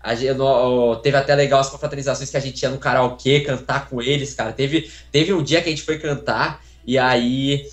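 A man's voice: mid-range voice, fairly even intonation, moderate pace, few pauses. Young Brazilian man, roomy video call. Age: young adult. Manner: warm, grateful, rambling with many fillers and restarts. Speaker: interviewee, voice acting contestant. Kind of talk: casual interview over video call. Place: small room at home, indoors. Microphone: phone camera, video call.

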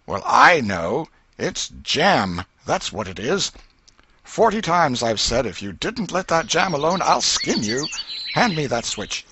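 A man voicing a gravelly, scolding old aunt. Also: on the high side, sing-song, normal speed, bright, forceful tone, pitched above the performer's own voice, full character voice. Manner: scolding, exclaiming, folksy dialect. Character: fussy, soft-hearted old aunt, scolding.

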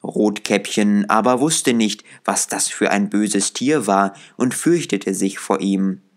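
A man narrates a fairy tale as a storyteller. His voice sits fairly low, and he reads the scripted text at an unhurried, very slow pace.

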